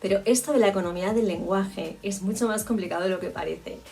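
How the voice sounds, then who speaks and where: Creaky-voiced woman coaching speech. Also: mid-range voice, quick pace, darkish tone, recorded from a distance. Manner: reflective, explanatory, with frequent restarts. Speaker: public speaking coach. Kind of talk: spoken lesson on communication.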